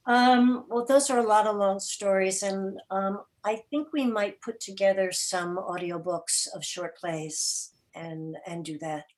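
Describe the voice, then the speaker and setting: A woman with a medium-pitched voice talks as a guest producer in an online meeting. She explains things conversationally and thoughtfully, pausing and picking her way through sentences. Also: steady tone, darkish tone. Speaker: guest, producer of an audio theater program. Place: remote video call.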